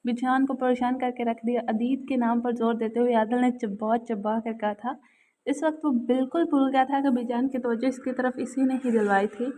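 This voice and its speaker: A woman's voice: on the high side, steady tone, moderate pace, dark tone. Woman narrating a romance novel. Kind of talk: audiobook narration.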